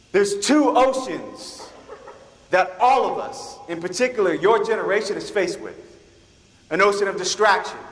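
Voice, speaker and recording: A man from Guam speaks as a keynote speaker to students and tells his story with lively energy, acting out each voice in it. His voice sits high for a man. The sound bounces around a large school hall with a long, ringing reverb. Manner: animated, acts out dialogue from his stories. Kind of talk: motivational storytelling talk to students.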